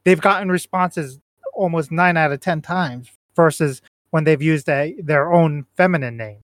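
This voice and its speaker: A man's voice: on the high side, a little slow, dry recording, clean studio sound. A man chatting casually on a podcast with friends, rambling through stories with restarts and jokes. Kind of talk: casual chat.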